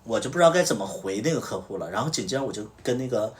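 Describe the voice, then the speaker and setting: A man's voice: mid-range voice, lively intonation, very fast, distant mic. A man hosting a livestream, casually telling a story and acting out what each person said. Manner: recounts events through reported dialogue. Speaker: livestream host.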